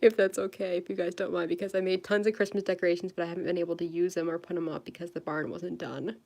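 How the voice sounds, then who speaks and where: A woman's voice: on the low side, level tone, fast talker, vocal fry, a little mellow. A nineteen-year-old woman vlogging at her desk, rambling casually with little laughs and fillers while she crafts. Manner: chatty, giggly, rambling with many fillers. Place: indoors at a desk.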